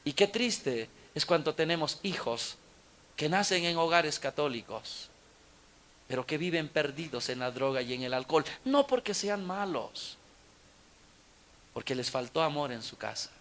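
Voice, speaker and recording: High-voiced preacher. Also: male voice, expressive, a little slow, a bit bright. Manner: dramatic, acts out dialogue, exhorting. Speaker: Catholic preacher. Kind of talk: storytelling sermon.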